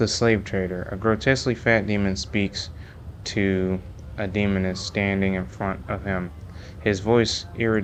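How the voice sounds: The intonation stays fairly even. It is a natural reading voice.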